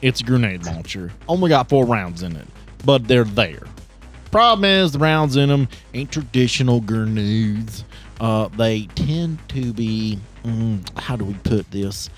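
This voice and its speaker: A man's voice: medium pitch, lively intonation, measured pace, soft background music, natural voice. A man playing a folksy, crude and wary backwoods arms dealer with an American Southern drawl in a tabletop game. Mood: sly, boastful. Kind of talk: improvised tabletop role-play.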